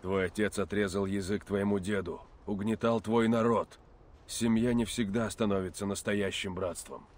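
An actor playing a grim, weathered male assassin mentor in a game dub, speaking slowly and gravely. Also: fairly low pitch, steady tone, lightly acted. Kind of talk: Russian game dub acting.

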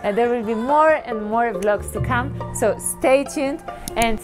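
A woman's voice: on the high side, measured pace. Young woman, Polish accent, travel vlogger, chatty, cheerful, music behind. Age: young adult. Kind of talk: travel vlog narration. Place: outdoors on a rooftop.

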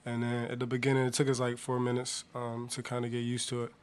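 Hesitant young man with a flat tone. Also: mid-range voice, fast, clean tone. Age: young adult. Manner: soft-spoken, many hesitant ums. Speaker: college basketball player. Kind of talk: postgame press conference answers. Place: press room, seated at table. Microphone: table mic on stand.

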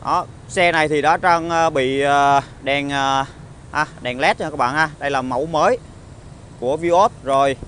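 A man with a southern Vietnamese accent giving an informal used car salesman's walkaround pitch, halting often with hesitations and tag words. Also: a bit bright. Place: outdoor car lot, partly inside a car. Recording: outdoor phone recording with traffic ambience.

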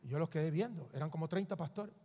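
A male preacher with a high voice delivers an emphatic sermon, repeating his points to drive them home. The voice rings with a long hall reverb. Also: fast, dark tone, husky. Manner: emphatic, repeats lists for the congregation.

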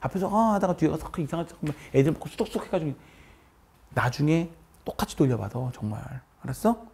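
A middle-aged man, a math teacher, giving his students an earnest farewell talk. He lectures with feeling, repeats key words, and drops into soft asides. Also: a little high, expressive, fast talker, creaky, breathy edge.

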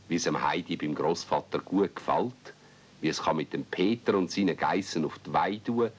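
A man's voice: deep voice, slightly rough. A man with a Swiss German accent narrating a scripted radio play as a storyteller in dialect. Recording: dull 1970s radio-play recording.

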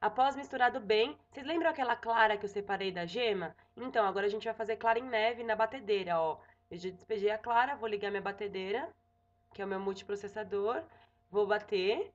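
A woman's voice: medium pitch, brisk, muffled recording. A young Brazilian woman in her home kitchen giving a casual cooking tutorial, chatting along and checking in with her viewers. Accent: Brazilian Portuguese. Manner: chatty, frequent "tá?" check-ins and self-corrections. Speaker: cooking vlogger.

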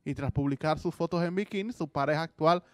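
A man's voice: fairly high pitch, quick pace, no echo. A man presenting celebrity gossip news on a casual chat show. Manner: reads gossip news, then banters. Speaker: show host.

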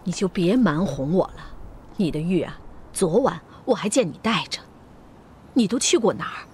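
A woman's voice: on the low side, lively intonation, moderate pace, a little mellow, a little hiss or hum, close to an everyday voice. A middle-aged actress playing a stern, commanding noble mother in a period TV drama.

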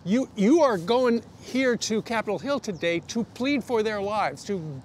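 An American man in his sixties hosting a live broadcast interview, talking in a halting, conversational way. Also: high-pitched, expressive. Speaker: TV news host interviewing guests. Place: outdoor rooftop terrace in a city. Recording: outdoor live broadcast, clear background noise.

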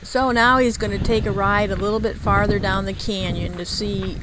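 A woman narrating her outdoor travel vlog in a measured, informative scripted voice-over. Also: medium pitch, fairly even intonation, noisy background. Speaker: travel vlogger.

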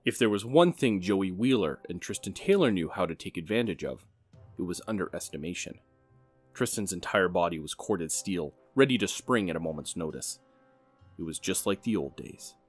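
A male narrator with a low voice reads a dramatic script. His delivery is that of scripted storytelling, and soft music plays behind him. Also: expressive, normal speed.

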